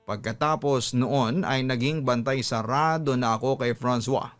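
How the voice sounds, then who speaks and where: A man's voice: mid-range voice, measured pace, a bit bright. Filipino man narrating over music. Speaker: radio story narrator. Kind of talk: dramatic scripted storytelling. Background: background music.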